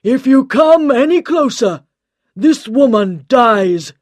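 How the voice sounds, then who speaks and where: A woman's voice: sits low, fairly even intonation, measured pace, dark tone, no room sound. A woman reading a ruthless male villain. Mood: shouting. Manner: cold, threatening.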